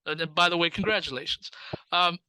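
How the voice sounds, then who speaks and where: A man's voice: a little high, brisk, pushed and bright, smooth, no echo, low-quality recording. A man co-hosting a sports podcast, talking in a blunt, jokey way. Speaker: podcast co-host. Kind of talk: casual sports chat.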